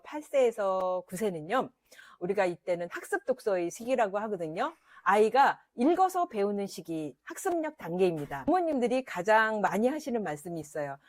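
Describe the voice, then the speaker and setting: A woman's voice: medium pitch, darkish tone, dry recording. A middle-aged woman teaching parents about children's reading, talking in an emphatic way with frequent fillers. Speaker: literacy educator. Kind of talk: parenting advice lesson.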